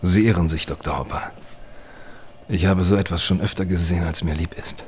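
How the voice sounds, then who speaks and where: A man's voice: low voice, fairly even intonation, a little fast, slight background noise, natural voice. A man playing a stern, curt, commanding investigator in a horror audio drama. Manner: curt, insistent, authoritative. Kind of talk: German horror radio drama acting.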